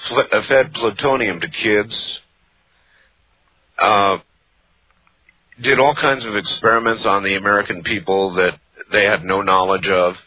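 A man in his early fifties hosts a late-night call-in radio show, talking earnestly and conversationally with listeners and asking short questions. His voice is low-ish, husky and unhurried, with fairly even intonation and frequent pauses. The sound is dry and narrowband, with no echo.

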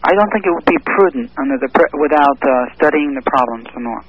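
A man answering as a guest on a radio show, measured and halting with many restarts. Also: medium pitch, animated, no room sound. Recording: dull lo-fi radio line, dry.

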